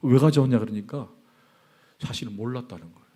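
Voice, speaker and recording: A middle-aged male pastor preaching a sermon, telling an animated story and acting out the quoted dialogue. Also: mid-range voice, fairly quick.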